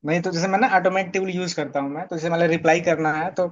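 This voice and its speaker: A man's voice: a little high, fairly even intonation, fast, muffled recording. A man who is a student in an online class, polite and hesitant, speaking to his teacher.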